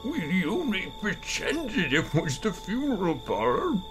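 A man voicing an excitable old doctor in a horror story, theatrical and emphatic. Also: high-pitched, unhurried, over music, full character voice. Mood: gleeful, gloating. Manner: theatrical, emphatic, pleading or gloating. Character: excitable old male doctor, gleeful prankster turning desperate. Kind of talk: dramatized horror story reading.

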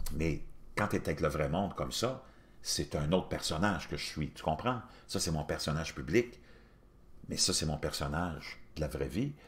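Deep-voiced middle-aged Quebec man. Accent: Quebec French. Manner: colloquial, blunt, crude, philosophizing. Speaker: YouTube channel host. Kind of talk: casual monologue to viewers.

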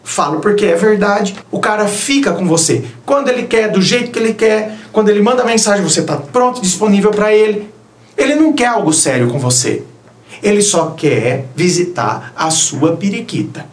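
A man's voice: high-pitched, expressive, moderate pace, echoey room. A man with a Brazilian Portuguese accent giving blunt, teasing relationship advice in a casual monologue. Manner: blunt, teasing, acts out quoted voices.

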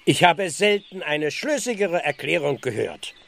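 An officious village policeman in a radio play. His voice is highish and gravelly, swinging expressively as he blusters, impatient and exasperated. There is slight noise behind him. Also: very animated, a little slow, a bit bright, exaggerated voice. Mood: confident. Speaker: actor playing a village policeman. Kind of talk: German radio play acting.

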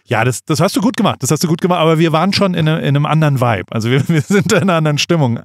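A man's voice: fairly high pitch, racing, no echo, clean studio sound. Laid-back slangy male podcast host. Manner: relaxed, colloquial, slangy, many fillers. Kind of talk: casual chat.

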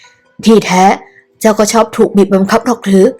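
A woman voicing a young male emperor who teases and then comforts, speaking slowly and softly. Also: medium pitch, little pitch movement, soft background music, close to an everyday voice. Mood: teasing.

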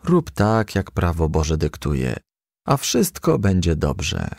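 A man voicing an ailing, tender firefly mother who gently insists, in a storybook. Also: low voice, wildly swooping pitch, slow pace, vocal fry, dry recording, clean studio sound, full character voice. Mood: tender, insistent.

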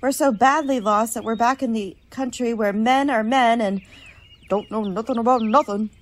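A woman's voice: fairly high pitch, moderate pace, a little hiss or hum, lightly acted. A woman playing a sarcastic, complaining young college student in a radio play. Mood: sarcastic, grumbling. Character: grumbling, wisecracking young female college student.

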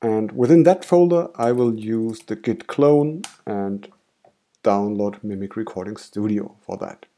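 A man with a German accent, a native German speaker, calmly explaining software steps in a screen-recorded tutorial. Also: fairly low pitch, measured pace. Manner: calm step-by-step explaining. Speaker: tutorial host.

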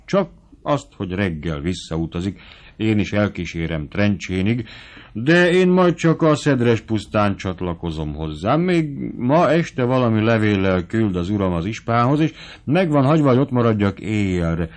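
A man's voice: fairly low pitch, animated, natural voice. A man voicing a timid, servile middle-aged valet who talks in a hesitant, evasive way. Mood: fretful.

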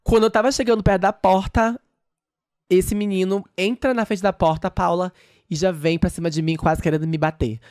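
A dancer and trans woman, guesting on a podcast, launches into a fast, lively story in a casual interview, voicing what others told her. Her pitch is fairly low, and the studio-quality recording has no echo.

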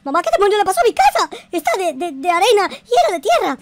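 A man's voice: extremely high pitch, huge pitch swings, fast, no echo, heavily acted. A man voicing a childish, cheeky noob son in a rambling Minecraft roleplay, repeating himself and exclaiming. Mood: alarmed. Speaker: YouTube gamer playing a character.

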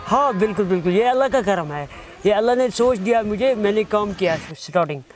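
High-voiced Kashmiri man, halting and earnest. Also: lively intonation, soft background music. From Kashmir, India. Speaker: interviewee, mobile phone mechanic. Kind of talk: earnest interview answers. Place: outdoors on a lawn beside a wooden house.

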